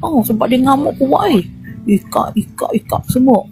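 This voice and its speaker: A woman's voice: high-pitched, moderate pace, soft background music. Woman with Terengganu Malay accent telling a ghost story. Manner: animated, acts out sounds and quotes. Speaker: guest recounting a spirit healing. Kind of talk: casual storytelling of a true horror experience.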